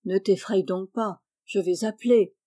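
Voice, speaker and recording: A polite, steady young country boy who keeps reassuring others, as a woman reads him aloud. The tone is mellow and warm, a little higher and louder than her narration. A storybook audiobook reading. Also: a little slow, no room sound, clean studio sound, lightly acted. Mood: earnest.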